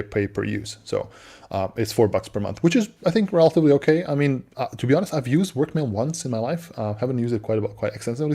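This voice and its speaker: Man from Serbia, lowish voice, casual explaining, video call. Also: gravelly, warm tone. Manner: explanatory, restarts, laughs often. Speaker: co-host answering cloud questions. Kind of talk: casual live-stream chat.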